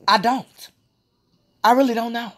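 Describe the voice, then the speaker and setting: A woman's voice: on the high side, fairly even intonation, a little slow. Frustrated woman venting. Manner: frustrated, repetitive, profane ranting. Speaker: Special Olympics athlete. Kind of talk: venting vlog monologue.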